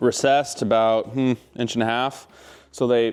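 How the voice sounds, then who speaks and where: Music plays in the background. A man is speaking. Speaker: motorcycle customization youtuber. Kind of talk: casual tutorial. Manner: casual, hesitant with fillers.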